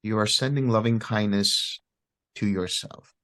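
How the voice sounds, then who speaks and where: A man leads a guided meditation in a fairly low voice. He talks very slowly and gently, pausing between short phrases as he gives each instruction. The sound is dry, with little room around it. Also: no room sound. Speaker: meditation teacher.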